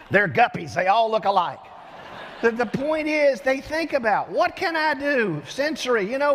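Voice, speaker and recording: An older man giving an energetic keynote speech on a large conference stage, telling stories with lively gestures through a headset mic. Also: sits high. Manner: animated storyteller with lively gestures. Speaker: keynote speaker. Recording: long hall reverb from arena.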